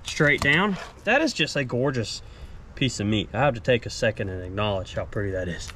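Guy doing a casual how-to vlog, normal pitch, noisy camera audio. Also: animated, a little fast. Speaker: fishing and cooking vlogger. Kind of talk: casual instructional narration while working. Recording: noisy action-camera audio, outdoors and kitchen.

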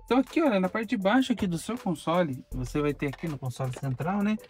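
Brazilian male car vlogger, talky explainer, raised pitch, soft music under him. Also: expressive, fast talker, breathy edge. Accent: Brazilian Portuguese. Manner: chatty, explanatory, frequent "olha" and "tá?". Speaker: car channel host. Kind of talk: casual tutorial demo. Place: inside a parked car.

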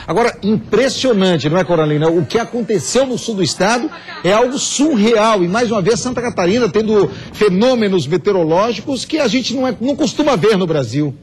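A man's voice: high-pitched, expressive, a little fast. A middle-aged man presenting TV news as an anchor in a studio. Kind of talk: news presenting with live interview. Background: music under the voice.

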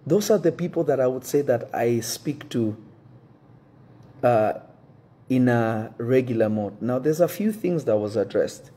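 A man in his thirties, a native French speaker talking in English, addressing his congregation to camera from an indoor room, earnest and measured, often restarting to choose his words. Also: medium pitch, expressive, warm tone, breathy edge. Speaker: pastor. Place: indoor room with wooden shelves.

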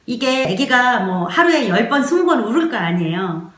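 A woman's voice: on the high side, big pitch swings, normal speed, fairly bright tone, reverberant. A woman giving a spoken parenting lesson, explaining earnestly and acting out the soothing words she would say to a crying baby. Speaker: parenting educator.

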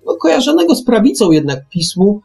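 A man's voice: high voice, sing-song, a little fast, gravelly, a little mellow, husky, faint music behind. A man hosting a radio discussion, speaking emphatically and often restarting and repeating his phrases. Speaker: radio show host.

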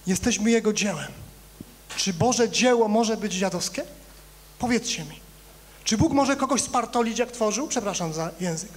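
A male pastor preaching a sermon in a church, animated and conversational, swinging between loud emphatic rises and quiet low asides while joking with the congregation. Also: normal speed. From Poland. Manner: conversational, addresses congregation directly with humor.

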